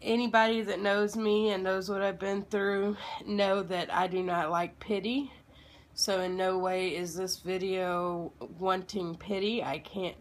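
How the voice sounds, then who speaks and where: A woman in her thirties with a slightly froggy, under-the-weather voice, telling a personal story informally and haltingly, as if to children. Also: mid-range voice. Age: 30s. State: sick with a lingering illness.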